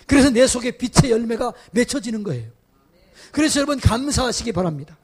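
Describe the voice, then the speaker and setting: A male pastor preaching at a revival meeting. He questions the congregation and builds to loud exhortations. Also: very high voice, lively intonation, fairly quick, slightly rough. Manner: acts out quoted voices in dramatic asides. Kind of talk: revival sermon.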